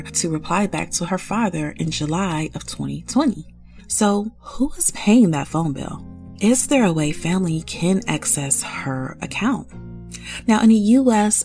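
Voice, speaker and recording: This woman's voice is on the low side, creaky and a little mellow. She hosts a true-crime podcast and talks through a case conversationally, thinking aloud and making frequent asides.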